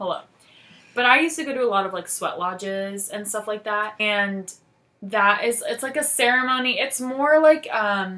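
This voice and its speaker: A woman's bright, sharp tone at medium pitch, with ordinary pitch variation, a moderate pace and a Californian accent. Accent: Californian American English. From Southern California. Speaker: podcast co-host. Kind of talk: casual chat.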